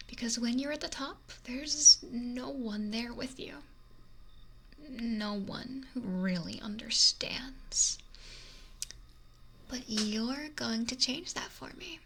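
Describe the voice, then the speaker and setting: A woman playing a possessive, wealthy mafia boss in an intimate ASMR roleplay, breathy and often whispery, with a slow, softly threatening manner. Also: on the high side, heavily acted. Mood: possessive, wistful. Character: possessive, domineering wealthy female mafia boss, lonely, menacing. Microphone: close binaural ASMR microphone.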